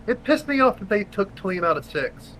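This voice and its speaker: An eager, agreeable man in his forties chats as a player. His voice sits fairly high. A faint hiss lies behind him on the call. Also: big pitch swings, a little fast, a bit bright, low-quality recording. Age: 40s. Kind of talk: casual chat over a voice call.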